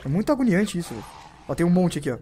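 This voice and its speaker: A young man with a Brazilian accent commentating his gameplay, who swears constantly and yelps and shouts whenever he is startled. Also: high voice, big pitch swings, racing, slight background noise. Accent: Brazilian Portuguese. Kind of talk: let's play commentary.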